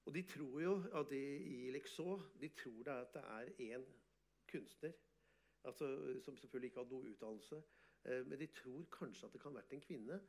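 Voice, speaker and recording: A man, an artist and photographer, telling animated, boastful stories in an interview and often laughing. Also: medium pitch, creaky. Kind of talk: casual storytelling interview.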